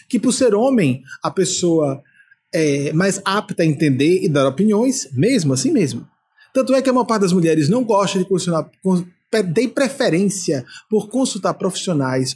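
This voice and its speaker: A man's voice: high voice, darkish tone, slightly rough. An older man from Brazil, a spiritual leader giving an emphatic talk full of rhetorical questions.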